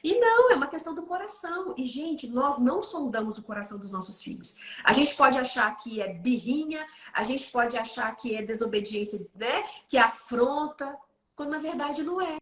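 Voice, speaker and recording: A woman giving conversational Christian parenting teaching, telling stories animatedly and tagging sentences with quick questions. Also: high voice. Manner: animated storytelling, frequent "né?" tags. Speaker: guest speaker on Christian parenting. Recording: roomy echo.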